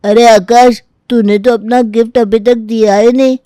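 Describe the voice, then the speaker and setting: A woman's voice: on the high side, flat delivery, moderate pace, dark tone, no echo, clean studio sound, lightly acted. A woman voicing a chatty older boy in a storybook tale, explaining things in a telling-on tone. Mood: bossy.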